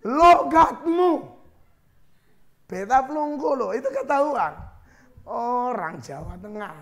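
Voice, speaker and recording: A man from eastern Indonesia preaches a sermon. His voice sits very high and has a gravelly edge. He is an animated storyteller who acts out dialogue with humor. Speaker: pastor.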